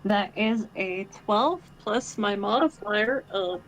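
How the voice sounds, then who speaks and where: A woman's voice: mid-range voice, expressive, takes it slowly, poor audio. A woman playing a tabletop game, tentative and second-guessing herself about her rolls. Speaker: player. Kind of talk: casual tabletop game play.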